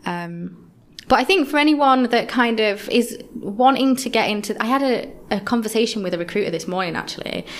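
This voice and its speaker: Over noticeable background noise, a woman talks at a fairly quick pace. Her voice is fairly high, with lively intonation. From Yorkshire, northern England. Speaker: security company founder. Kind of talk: interview.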